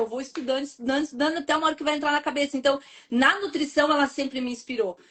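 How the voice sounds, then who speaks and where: The woman's pitch is high, with ordinary pitch variation. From Brazil, São Paulo state (Boituva). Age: 40s. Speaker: nutritionist and runner. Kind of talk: podcast interview.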